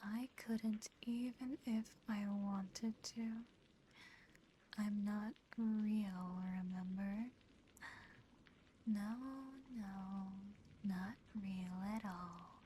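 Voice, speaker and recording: A woman voicing a teasing, condescending, darkly affectionate female demon in a breathy, close-miked ASMR whisper. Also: mid-range voice, dark tone, poor audio. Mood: mock pity. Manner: slow, taunting, lingering over words. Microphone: close ASMR microphone. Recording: faint background noise and ambience.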